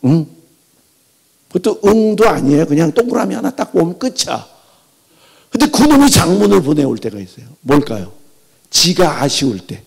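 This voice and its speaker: Lively, gravelly middle-aged pastor preaching. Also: male voice, on the high side, normal speed, pauses often. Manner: animated storytelling, switching between loud outbursts and near-whispers. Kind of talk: revival sermon. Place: church sanctuary. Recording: long reverb in a large church hall.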